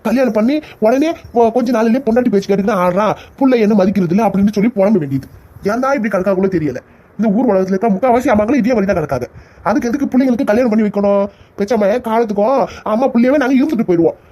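A man's voice: high voice, racing, dark tone. A man playing a flustered, stammering young man. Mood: grumbling. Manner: stammering, muttering complaints to himself. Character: flustered young man, harried son caught between mother and fiancée. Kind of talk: cartoon comedy voice acting.

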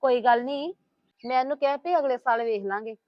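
A woman's voice: a little high, quick pace, no echo, natural voice. A woman playing a talkative, complaining housewife in a family web drama. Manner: complaining, gossiping, soothing. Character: talkative scheming woman, middle-aged housewife. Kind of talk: web series acting. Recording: dull lo-fi sound.

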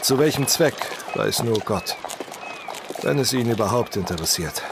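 Upright gentleman over noisy outdoor ambience, male actor. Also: mid-range voice, animated, moderate pace, close to an everyday voice. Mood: grave, resolute. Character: upright, resolute, kindly English gentleman. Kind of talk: audio drama acting.

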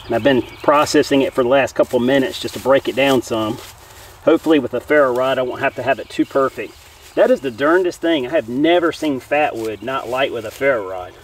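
A man's voice: mid-range voice, brisk. A man in his forties, a bushcraft host, casually explaining what he does while he works at a forest campsite. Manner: relaxed, talks while working with hands. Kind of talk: casual outdoor instruction. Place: outdoors in a forest camp. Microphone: camera a few feet away. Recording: voice a bit distant with faint outdoor noise.

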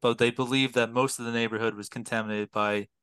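A man's voice: medium pitch, fairly even intonation, fast talker, a bit bright, smooth, dry recording. A young man explaining research in detail on a video call, with frequent fillers and restarts. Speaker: public health PhD student, guest. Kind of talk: explanatory interview talk. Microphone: headset on video call.

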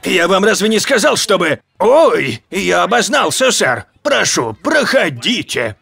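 A man's voice: high-pitched, very animated, a little slow, vocal fry, sharp tone, slight background noise, full character voice. A man voicing a brusque, officious amusement ride attendant in a cartoon dub. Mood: apologetic. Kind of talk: dubbed cartoon acting.

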